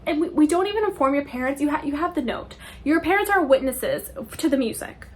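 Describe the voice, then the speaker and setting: Brief: young woman, high bright voice, book vlogger, chatty and exasperated, breezy recap. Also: animated, brisk. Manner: chatty, exasperated asides, acts out characters' quotes. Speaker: book reviewer. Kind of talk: casual spoiler plot summary.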